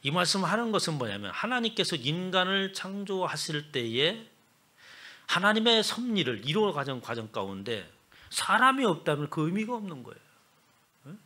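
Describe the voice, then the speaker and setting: A man preaching a sermon as pastor, retelling scripture dramatically and swinging between loud exclamations and hushed asides. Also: high voice, big pitch swings, normal speed.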